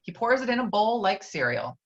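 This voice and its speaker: A woman's voice: medium pitch, big pitch swings, a little fast. A woman reading out screenplay stage directions as the narrator of an online table read. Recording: dull, lo-fi online call audio.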